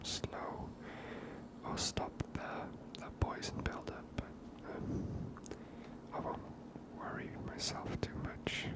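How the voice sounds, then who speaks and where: Slow whispering man, ASMR game commentary. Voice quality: breathy whisper. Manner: gentle, unhurried narration.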